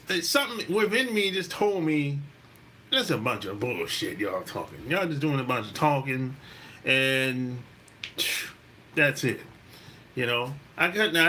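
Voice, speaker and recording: This middle-aged podcast host from South Carolina has a fairly high, sharp voice, with slight background noise behind him. He tells a story in a loose, profane monologue, peppered with "you know."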